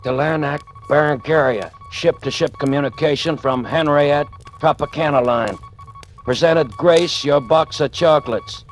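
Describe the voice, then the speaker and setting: Male actor doing a telegram reader for a vintage radio drama, slightly high voice, clipped and flat. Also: a little slow, soft background music, close to an everyday voice. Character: male voice reading a ship telegram. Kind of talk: 1940s radio acting.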